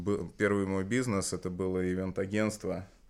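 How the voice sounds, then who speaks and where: This man has an ordinary speaking voice with a fairly low pitch. He speaks at a moderate pace. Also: very clean recording, silent background. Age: 30s. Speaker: former banker turned party organizer. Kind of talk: casual chat.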